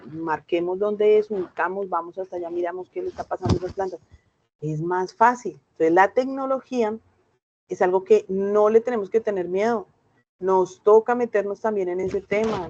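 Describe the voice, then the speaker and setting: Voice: mid-range voice, a little mellow, a little hiss or hum. A Colombian instructor giving an online class lecture in a conversational way, often checking in with the students. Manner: conversational, checks in with frequent "right?" tags. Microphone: video call. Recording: slightly muffled online call audio.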